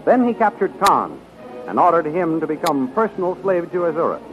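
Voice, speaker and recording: A man's voice: on the high side, sing-song, brisk, over music. A man narrating a 1930s radio serial as a dramatic, declamatory announcer. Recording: muffled 1930s radio recording.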